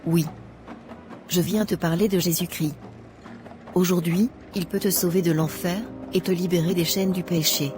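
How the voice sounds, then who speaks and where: A woman's voice: on the low side, steady tone, moderate pace, close to an everyday voice. A woman voicing a self-righteous, impatient young Christian woman in a cartoon, lecturing in a preachy way over music. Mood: preachy, stern. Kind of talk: scripted cartoon dialogue. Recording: music behind the voice.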